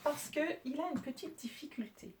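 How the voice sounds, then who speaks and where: This high-pitched, animated female voice belongs to a teacher giving children a spelling lesson, patiently breaking down French spelling and syllables. She speaks slowly and enunciates carefully, though there's noise in the background.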